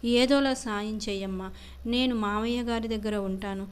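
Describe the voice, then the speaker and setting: A woman voicing a caring older mother-in-law who speaks gently and pleads in a spoken story. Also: mid-range voice, fairly even intonation, normal speed, clear, resonant tone, close to an everyday voice. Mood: gentle coaxing.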